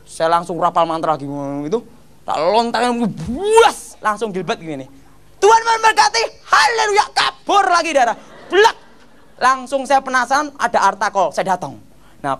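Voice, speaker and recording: A middle-aged man giving an animated church testimony, constantly addressing his listeners as brothers and sisters. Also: high-pitched. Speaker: testimony speaker.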